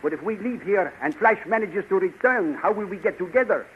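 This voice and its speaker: An actor playing a cautious older male scientist in a 1930s radio drama, formal and measured in his speech. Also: high voice, animated. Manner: formal, measured, stiff phrasing. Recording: dull, hissy 1930s radio transcription.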